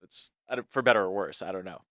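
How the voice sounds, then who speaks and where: A man's voice: deep voice, fast talker, a bit bright, no room sound, studio quality. A man co-hosting a podcast, speaking in a laid-back, hedging way that often trails off. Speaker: podcast co-host. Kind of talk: casual podcast chat.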